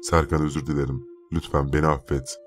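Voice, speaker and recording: A frail, frightened young woman in a horror story, pleading in a weary voice, as a male narrator puts her on. The voice sits extremely deep, with faint music behind. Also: flat delivery, a little fast.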